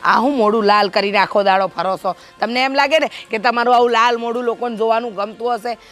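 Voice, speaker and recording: An actress with a Kathiyawadi accent playing a sharp-tongued village housewife who argues and complains in an exasperated way. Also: female voice, fairly high pitch, fast, faint music behind, close to an everyday voice. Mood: arguing. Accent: Kathiyawadi Gujarati. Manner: exasperated, nagging. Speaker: wife and sister-in-law. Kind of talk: village family drama acting.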